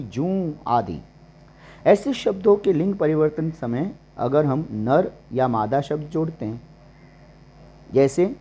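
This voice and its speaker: A man teaching a grammar lesson, slowly listing example words one at a time. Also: fairly high pitch, mellow, dull audio. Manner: slow and deliberate, listing examples word by word. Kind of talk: classroom-style grammar lesson.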